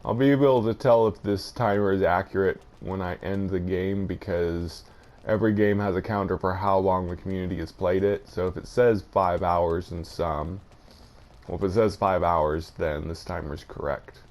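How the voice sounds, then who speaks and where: Male game streamer, low register, casual off-the-cuff commentary, thinking aloud. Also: fairly even intonation, moderate pace, a little mellow. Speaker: gaming video host.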